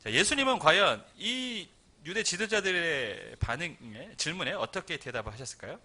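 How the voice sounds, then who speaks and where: Bright-voiced Korean pastor preaching. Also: male voice, on the high side, sing-song, moderate pace. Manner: conversational preaching with acted-out quotes. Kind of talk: sermon.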